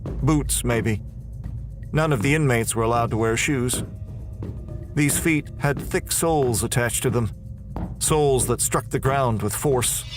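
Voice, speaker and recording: A man narrates a horror audio drama in the first person. His mid-pitched voice delivers scripted prose dramatically, with music underneath. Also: a little slow, pauses often.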